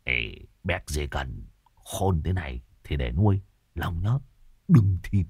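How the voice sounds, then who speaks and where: A man voicing a sly, crude male sidekick who mutters low jokes. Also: lively intonation, fairly quick, darkish tone, breathy edge, no room sound, clean studio sound, heavily acted.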